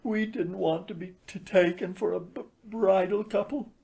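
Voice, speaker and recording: A man's voice: high-pitched, fairly even intonation, normal speed, creaky, dark tone, slightly rough, voice pushed up, heavily acted. A man voicing a tearful young bride who stammers and sobs as she confesses. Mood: tearful, distraught. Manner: stammering, sobbing.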